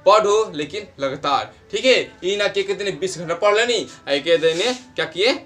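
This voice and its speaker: A man teaching a grammar lesson to students, explaining slowly and repeating example phrases. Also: high-pitched, lively intonation, fairly bright tone. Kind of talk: classroom-style grammar lesson. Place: home in a village, wedding noise nearby.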